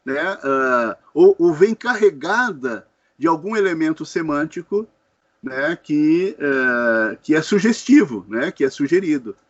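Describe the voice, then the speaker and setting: A man's voice: on the high side, expressive, measured pace. A man speaking reflectively in a discussion, hesitant, with many fillers and repeated words. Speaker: co-host in a discussion. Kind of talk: slow reflective philosophical talk. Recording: dull lo-fi recording.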